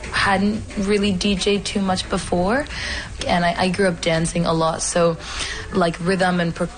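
A woman's voice: on the low side, low-quality recording. A 21-year-old woman from Morocco, a university student, answering interview questions casually with frequent fillers. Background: music.

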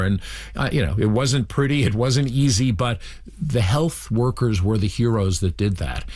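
A man with a lowish voice explains his points earnestly to a radio interviewer. He often doubles a word as he starts a sentence, then pushes steadily on. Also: a little mellow. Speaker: interview guest.

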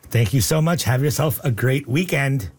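A man hosting a radio call-in show, upbeat and joking, reading out the phone number slowly. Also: medium pitch, expressive, husky. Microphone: studio microphone.

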